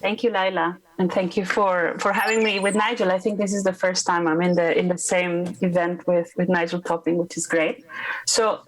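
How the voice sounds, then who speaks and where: A woman's voice: fairly low pitch, level tone, moderate pace, a little hiss or hum, rough recording. A woman with a Costa Rican accent, a native Spanish speaker, speaking emphatically and persuasively as a panelist. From Costa Rica. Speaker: panelist, climate advisor. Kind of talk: panel discussion remarks.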